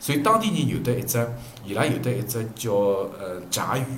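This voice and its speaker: Noticeable background noise runs behind this recording. A man speaks at a medium pitch. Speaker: Chinese teacher and linguistics researcher. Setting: online audio room.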